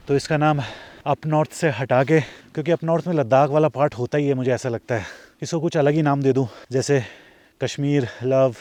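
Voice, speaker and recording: A man's voice: mid-range voice, a little mellow, no echo, low-quality recording. A man with an Indian accent chatting casually as a travel vlogger outdoors, slipping English phrases into his talk. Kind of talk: casual vlog chat. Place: outdoors in a mountain valley. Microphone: camera's built-in mic after the mic battery died.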